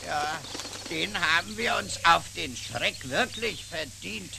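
Cranky sly fox, gravelly and bright, drawls slow and sarcastic. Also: male voice, fairly high pitch, lively intonation, noisy background, full character voice. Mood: sheepish. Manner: gruff, sarcastic, theatrical groaning. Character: grumpy sly male fox, quick to sulk. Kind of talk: puppet show acting.

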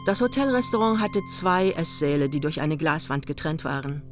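An actress as the narrator of a literary radio play, telling the story in a measured, dry manner. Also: female voice, low voice, animated. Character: composed female storyteller of a literary honeymoon tale. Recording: studio radio play under loud music.

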